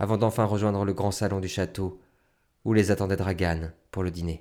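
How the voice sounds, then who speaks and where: This man has a fairly low pitch and a dark, mellow tone, with fairly even intonation. The recording is very clean, with a silent background. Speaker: storyteller narrator. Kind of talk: dramatic fantasy storytelling, scripted narration. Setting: audio-only episode. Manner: theatrical, solemn, gravely dramatic.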